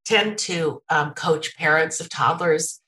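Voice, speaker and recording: A woman giving parenting advice in a relaxed conversation, laughing often and slipping into a sing-song tone when acting out what parents can say. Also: sits low, slow, poor audio. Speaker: parenting expert guest.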